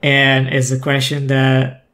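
A man's voice: mid-range voice, completely flat delivery, takes it slowly, a bit bright. A man, a guest talking casually and thoughtfully on a podcast, often restarting his sentences. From Brazil. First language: Portuguese. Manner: thoughtful, rambling with frequent restarts. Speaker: guest, former community manager.

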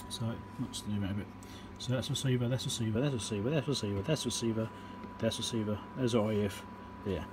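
Matter-of-fact man over loud background noise. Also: medium pitch. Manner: matter-of-fact, talking through each step while working. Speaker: electronics repairer and video host. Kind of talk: casual hands-on repair demonstration. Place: indoor electronics workbench. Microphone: handheld camera or phone microphone. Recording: loud hiss and background noise, handheld camera.

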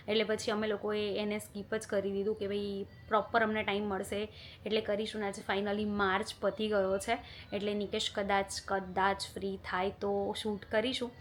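A woman's voice: mid-range voice, slight background noise. A young woman talking casually to camera in a family vlog at home, filmed on a phone. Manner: chatty, talks warmly to a small child then softly to camera. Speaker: vlogger.

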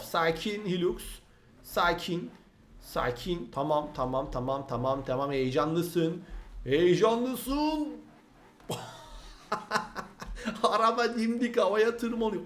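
Excitable high-voiced man, echoey room. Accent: Turkish. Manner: excitable, chatty, says "abi" a lot. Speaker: gaming channel host. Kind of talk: casual gameplay commentary.

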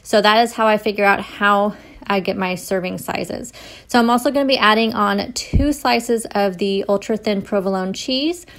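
A woman's voice: mid-range voice, moderate pace. A young adult woman walking through a recipe step by step in a home kitchen cooking tutorial. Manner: steady step-by-step instructional. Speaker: cooking vlogger.

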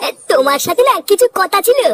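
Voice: very high voice, very animated, fast talker, a bit bright, heavily acted. A voice actor playing a jobless young village man in a cartoon, hesitant and stammering. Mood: pleading. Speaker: cartoon character.

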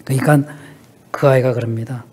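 A middle-aged man preaching a sermon in a church, telling stories and often dropping a soft "yes" between phrases. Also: medium pitch, fairly even intonation, moderate pace, breathy edge. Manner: peppers speech with a soft affirming "yes". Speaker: pastor. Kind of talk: sermon with storytelling.

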